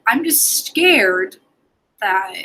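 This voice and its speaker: Slow-paced young woman chatting about books. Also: medium pitch, lively intonation, bright, forceful tone, slight background noise, rough recording. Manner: informal, giggly, sardonic. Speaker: book discussion co-host. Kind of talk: casual book chat.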